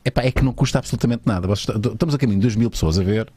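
Husky, fast male host, animated and dry-sounding. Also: lowish voice, no room sound. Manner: animated, stammering restarts, pleads with viewers. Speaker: show host. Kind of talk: casual live-show chat.

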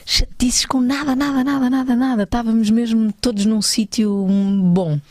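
A woman's voice: on the high side, fairly even intonation, normal speed, a little mellow, no echo, clean studio sound. A woman guest with a Porto accent talking casually and easily about her work as an actress. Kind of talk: casual chat interview.

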